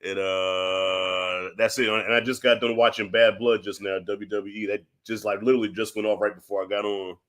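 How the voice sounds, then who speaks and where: A man's voice: on the low side, fast, hardly any pauses. A man with a congested, stuffed-up voice from a head cold, a guest chatting casually and slangily on a podcast. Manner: animated, slangy, gets louder when excited. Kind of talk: casual chat.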